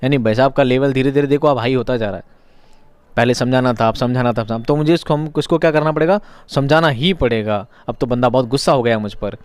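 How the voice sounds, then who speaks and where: A male Urdu teacher explaining a short story in a lively, conversational way, acting out the characters' dialogue. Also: mid-range voice, brisk, smooth, no room sound.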